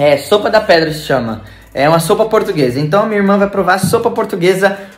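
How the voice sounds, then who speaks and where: Faint music plays in the background, and there is audible room echo. A man with a high pitch talks at a moderate pace with ordinary pitch variation. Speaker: vlogger. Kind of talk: casual vlog chat. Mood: cheerful, joking. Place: home room. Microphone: phone near.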